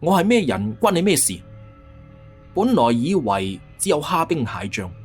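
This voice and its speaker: Man playing young cultivator hero, Cantonese accent, scornful, cocky, dismissive taunts, lively pitch, husky tone, fantasy audiobook. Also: measured pace, faint music behind, heavily acted. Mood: mocking.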